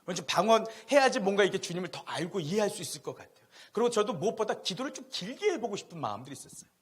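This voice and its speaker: Middle-aged pastor guy preaching, loud voice, kinda husky, high and lively, jumps from big shouts to quiet bits. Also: racing. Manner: animated, swings from loud to hushed, laughing at himself. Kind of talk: sermon with personal storytelling. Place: church sanctuary.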